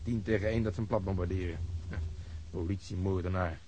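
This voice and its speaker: An actor playing a mocking, reckless police detective in a radio drama. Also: male voice, low voice, fairly even intonation, fast talker, dark tone, close to an everyday voice. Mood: dry, determined. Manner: mocking, taunting, chuckling. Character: sardonic, reckless, swaggering male police detective. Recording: dull radio drama recording, noisy background.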